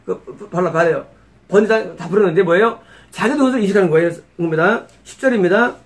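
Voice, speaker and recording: A man's voice: high voice, quick pace. A middle-aged man preaching an expository sermon as pastor, often asking his own rhetorical questions and repeating key phrases. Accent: Korean-accented English words.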